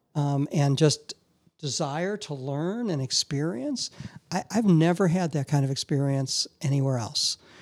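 In a normal speaking voice, a man with an American accent talks at a fairly slow pace with a fairly high pitch and ordinary pitch variation. The sound is dry and close with no echo. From Chicago. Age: 60s. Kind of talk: casual discussion.

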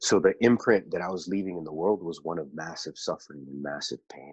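A man with a very deep, low pitch talks fairly quickly in an American accent. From US-Mexico border. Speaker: teacher, healer. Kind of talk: casual interview.

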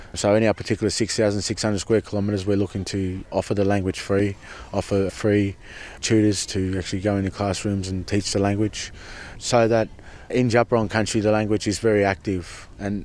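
With an Australian accent, a man speaks at a fairly quick pace with fairly low pitch and monotone, flat intonation. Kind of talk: interview. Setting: outdoors.

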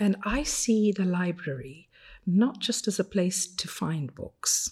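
With lively intonation, a woman speaks at a medium pitch in a somewhat breathy voice. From Fiji. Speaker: ambassador and former judge. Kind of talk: interview conversation. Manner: formal, articulate.

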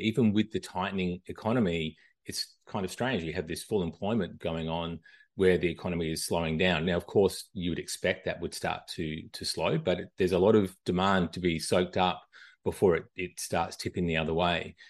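Very deep and low, a man's voice moves at a fairly quick pace with fairly even intonation. The background is quiet. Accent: strong Australian. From Australia. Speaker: company CEO. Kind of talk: interview.

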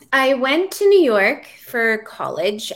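In an American accent, a woman speaks at a very slow pace. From US South, Williamsburg, Virginia. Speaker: actress and realtor. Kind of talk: casual interview chat.

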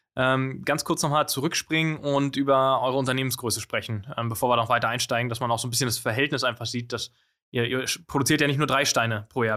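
Using a bright, sharp tone, a man at medium pitch talks at a very fast pace with fairly even intonation. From Berlin. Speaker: podcast host. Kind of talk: interview. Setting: video call.

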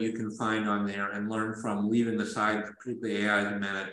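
Speaking at a medium pitch, a man talks in an American accent. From US Midwest, Illinois. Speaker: lawyer and lecturer. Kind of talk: webinar presentation. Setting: online webinar. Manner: hesitant, with many fillers.

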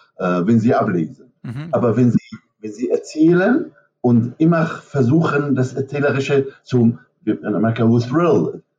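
With an Arabic accent, a man speaks at a fairly slow pace and a medium pitch, his intonation lively. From Middle East. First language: Arabic (speaking German). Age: 70s. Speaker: professor. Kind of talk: interview.

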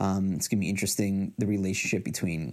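A man with a New York accent and fairly low pitch, on a very clean recording with a silent background. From Long Island, New York. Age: 40s. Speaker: podcast host. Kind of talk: solo commentary. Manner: halting, many repetitions and fillers.

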